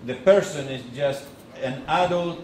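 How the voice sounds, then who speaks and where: A middle-aged man from Argentina with an Argentine Spanish accent, giving a conference lecture in a measured way with pauses and restarts. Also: on the high side, darkish tone. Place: conference hall. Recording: echoey hall with faint noise.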